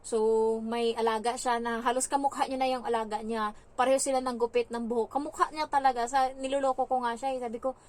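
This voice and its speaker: A young woman from the Philippines, a domestic helper telling stories in a casual vlog, chatty and animated with lots of fillers. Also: a little high, fast talker.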